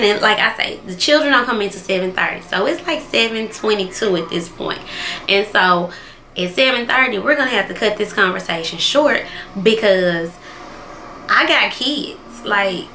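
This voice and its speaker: A woman's voice: medium pitch, pushed and bright. A young adult woman, a kindergarten teacher, telling a story in a casual, emphatic vlog style with slang. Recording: echoey room with faint ambient noise.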